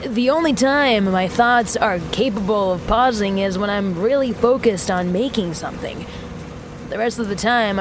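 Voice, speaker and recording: A woman's voice: medium pitch, noisy background, close to an everyday voice. A woman playing a restless, intense, creative rocket builder, musing aloud in a reflective audio drama monologue.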